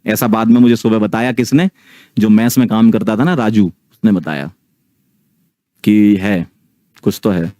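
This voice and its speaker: A man in his thirties tells a story in a relaxed, chatty way, often pausing to check in with his audience. His voice sits low and mellow. The sound is dry and close, with no room in it. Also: no echo. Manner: chatty, keeps checking in with the listeners. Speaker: online teacher telling a ghost story. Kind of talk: casual storytelling to a live audience.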